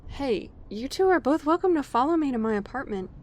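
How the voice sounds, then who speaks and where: A woman's voice: high voice, expressive, brisk, darkish tone, slight background noise. A woman acting a friendly, concerned, polite character who is eager to help, in audio drama dialogue. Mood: warm, helpful.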